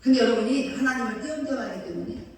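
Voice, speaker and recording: A woman pastor preaching a sermon in an animated, colloquial way, acting out quotes. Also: fairly high pitch, very fast, a little hiss or hum. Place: church sanctuary. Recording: echoey church hall, distant mic.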